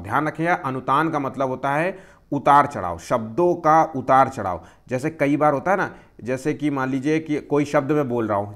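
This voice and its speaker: Man, young adult, exam-prep teacher, explanatory, repeats terms, mid-pitched voice. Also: fairly bright tone. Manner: explanatory, repeats key terms, frequent fillers and restarts. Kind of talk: Hindi exam-prep lesson.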